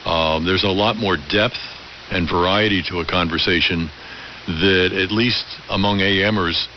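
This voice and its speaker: A middle-aged man with a lowish voice talks reflectively over AM ham radio. He is articulate and unhurried in his storytelling, speaking in long conversational turns. The sound is muffled and band-limited, with loud hiss throughout. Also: fairly even intonation. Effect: AM ham radio transmission. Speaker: amateur radio operator.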